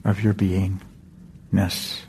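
A man leading a guided meditation in a meditation hall, speaking slowly and softly with long pauses. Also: low voice, level tone, creaky, slight background noise. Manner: slow, soft, with long pauses. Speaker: meditation teacher.

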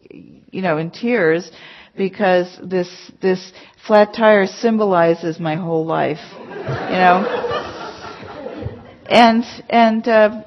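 A low-voiced woman teaches a meditation class in a chatty, emphatic way, scattering "you know" through her points. The recording is dull and lo-fi, with the top end muffled. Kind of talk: conversational dharma talk to a class. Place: meditation center hall.

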